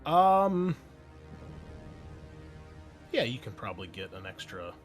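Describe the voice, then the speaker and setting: A man's voice: medium pitch, sing-song, slow pace. A man talking casually as game master, explaining options to players in a hesitant, explanatory way. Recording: background music behind the voice.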